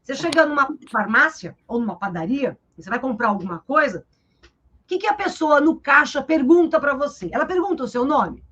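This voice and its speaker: High-voiced Brazilian teacher on a dull stream. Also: female voice, a little fast. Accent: Brazilian Portuguese. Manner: lively and explanatory, tags sentences with "né?". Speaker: literature teacher. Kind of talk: live interview, explaining literature.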